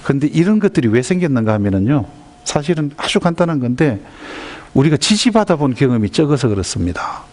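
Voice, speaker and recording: A man's voice: mid-range voice, a little fast. A man giving a lecture to parents, often asking the audience questions. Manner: lively, asks the audience questions. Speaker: lecturer on school violence prevention.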